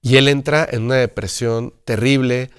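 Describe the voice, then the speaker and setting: A man's voice: mid-range voice, steady tone, moderate pace, smooth. A man, a guest in conversation, telling a paranormal story and acting out the dialogue. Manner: dramatic storyteller who acts out dialogue.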